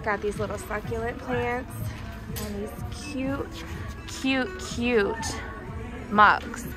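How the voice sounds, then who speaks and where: Casting: young American woman, high voice, gushing casual shop-along vlogger, music underneath. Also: steady tone, slow pace, poor audio. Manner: enthusiastic, gushing over items. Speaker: shopping vlogger. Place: inside a discount retail store. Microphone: handheld camera or phone, held by the speaker.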